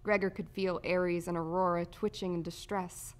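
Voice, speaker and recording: A woman's voice: fairly low pitch, little pitch movement, moderate pace. A woman working as a voice-over artist, reading scripted narration.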